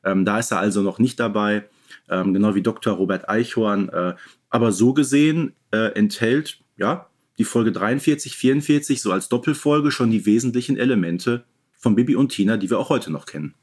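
A man's voice: fairly low pitch, moderate pace, a little mellow. Man explaining things casually as podcast co-host. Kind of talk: casual, informed commentary on audio play series.

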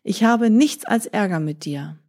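A woman's voice: medium pitch, expressive, measured pace, warm tone. Woman doing a short-tempered bird hunter. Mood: angry. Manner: gruff and scornful. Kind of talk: storybook reading.

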